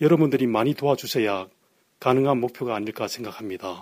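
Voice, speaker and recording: A man's dark, mellow tone with lively intonation. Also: very clean recording, silent background. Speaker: podcast listener, expat employee. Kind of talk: recorded listener intro message.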